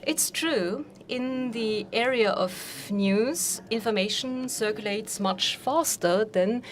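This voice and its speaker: A woman interpreting a formal conference keynote, with a measured delivery and an occasional restart. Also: fairly high pitch, slight background noise.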